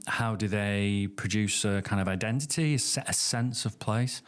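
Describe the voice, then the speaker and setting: A man with a northern English accent, a guest academic speaking thoughtfully in a podcast interview. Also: fairly low pitch. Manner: thoughtful, measured, with restarts.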